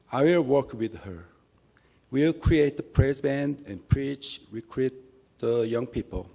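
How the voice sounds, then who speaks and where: A man with a Korean accent gives a church testimony in English, speaking slowly and with real care. His voice is mellow and carries a gravelly edge, and he restarts phrases now and then in an earnest, halting way. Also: mid-range voice. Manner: earnest, halting, measured delivery with small restarts. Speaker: lay minister giving testimony.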